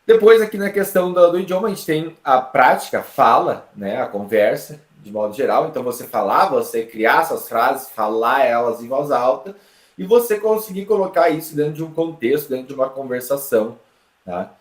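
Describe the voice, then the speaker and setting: A man's voice: mid-range voice, brisk. Brazilian man teaching in an echoey room. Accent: Brazilian Portuguese. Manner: lively, explanatory, with frequent tag questions. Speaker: English teacher. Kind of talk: online lesson.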